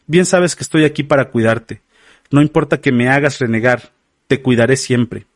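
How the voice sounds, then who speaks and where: A man's voice: medium pitch, normal speed, dry recording, studio quality, lightly acted. A man voicing a devoted older female caretaker in an audiobook, speaking in a soothing, sorrowful way. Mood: tender.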